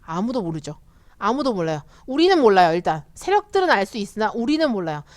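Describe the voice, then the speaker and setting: A woman giving a casual lesson on the stock market, chatty and animated, acting out the voices of eager investors as she goes. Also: mid-range voice, quick pace, dry recording. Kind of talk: casual explanatory lecture.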